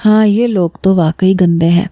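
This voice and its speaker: Woman voicing a young doctor, calm and coaxing, low-key and soft, storybook reading. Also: no room sound, muffled recording, close to an everyday voice.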